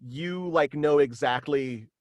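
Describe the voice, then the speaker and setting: A man talking casually as an interview guest on a video call, halting and animated in manner. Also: on the high side, dry recording. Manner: halting and animated, slipping into quoted dialogue. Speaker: guest, voice actor and author. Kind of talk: casual interview chat about own radio play. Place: indoors at home, on a video call.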